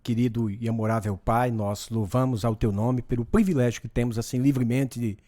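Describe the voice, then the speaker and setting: A pastor from Rio Grande do Norte with a Northeastern Brazilian accent, calm and brief as a radio studio guest. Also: male voice, medium pitch, brisk. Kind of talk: casual radio interview.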